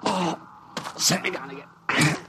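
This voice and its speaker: A man's voice: fairly high pitch, slow, background noise. An actor playing an injured male climbing friend, in pain but wry, in an old radio drama. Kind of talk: 1950s radio drama acting.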